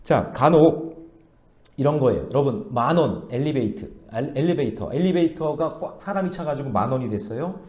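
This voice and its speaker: A male pastor preaching an animated sermon, telling stories and throwing questions to the congregation. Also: medium pitch, brisk. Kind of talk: sermon at a Friday prayer meeting. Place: church sanctuary. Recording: echoey church hall.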